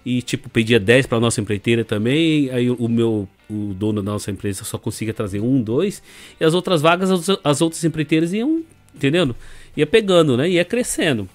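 A man's voice: medium pitch, a little fast, soft background music. Brazilian man telling a long story. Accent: Brazilian Portuguese. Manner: relaxed, rambling, leans on fillers and tag questions. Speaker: podcast guest. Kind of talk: casual storytelling interview.

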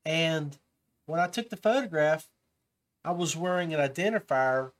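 A man's voice: on the high side, animated, moderate pace. A man hosting a podcast, casually talking viewers through advice with many fillers and restarts. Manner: coaching tone, giving tips to beginners. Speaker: podcast host.

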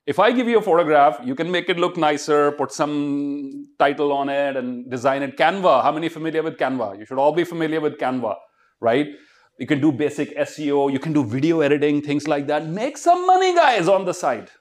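Indian guy doing a motivational talk to students, kinda high voice, pushy and emphatic, lots of questions. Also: fairly quick. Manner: emphatic, exhorting, fires rhetorical questions at the audience. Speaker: motivational speaker.

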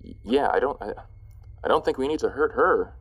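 Hesitant, lively-pitched nervous crook. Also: male voice, a little fast, breathy edge. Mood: nervous pleading. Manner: hesitant, stammering, apologetic. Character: reluctant, soft-hearted, nervous male crook's lackey. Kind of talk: noir audio drama acting.

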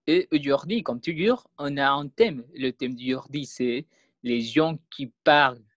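Male podcast host, hesitant and slow, restarts often, dry recording. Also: medium pitch, a bit bright, dry recording. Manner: halting, many restarts, learner's French. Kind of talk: hesitant scripted podcast intro.

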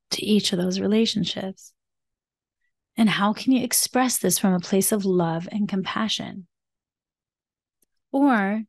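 A woman hosting a self-help podcast, speaking in a soft, fairly high voice, earnest and encouraging, often adding "like" and "right?". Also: creaky. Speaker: podcast host.

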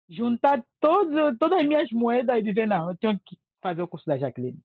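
A woman with an Angolan Portuguese accent talks earnestly through her testimonial, pressing her points and often restarting mid-sentence. The sound is thin and phone-like, and dry with no room echo. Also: mid-range voice. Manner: earnest and emphatic, with frequent restarts. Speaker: language course student giving a testimonial. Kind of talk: casual spoken testimonial. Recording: tinny, dry phone-like audio.

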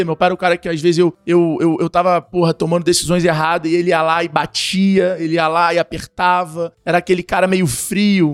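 A young man from Rio de Janeiro with a Carioca accent, a guest telling animated stories full of slang in a casual interview. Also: high voice. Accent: Carioca Portuguese. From Rio de Janeiro, Brazil. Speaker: guest, entrepreneur.

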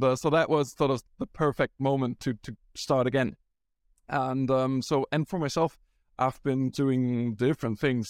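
A German-born founder talks through his story in a relaxed interview, circling back and restarting phrases with plenty of ums. His voice sits at an ordinary middle pitch. The recording is close and dry, with no room sound. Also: no echo. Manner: rambling, frequent restarts and ums. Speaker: startup founder guest. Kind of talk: casual business interview.

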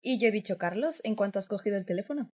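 A woman playing a sharp-tongued female newspaper reporter with an ironic, teasing manner in a radio drama. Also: medium pitch, animated, racing, slightly rough. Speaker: journalist.

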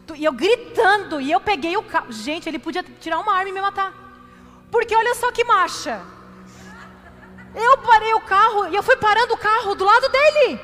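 At a normal speed, a woman pastor with a high-pitched voice tells her story during a sermon, teasing herself in an animated, confessional way and turning again and again to the congregation. The church hall gives her voice a long ringing reverb, with faint music underneath.

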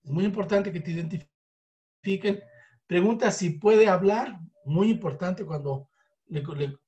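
A man's voice: sits high, measured pace, warm tone. A man with a Mexican accent giving a motivational sales training talk, coaching listeners and acting out sample phone calls.

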